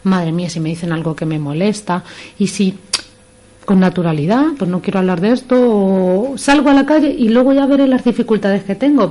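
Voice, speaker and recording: Fast-talking woman psychologist on radio. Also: mid-range voice, mellow. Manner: explanatory, gives examples with quoted phrases. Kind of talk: radio talk-show discussion. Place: radio studio.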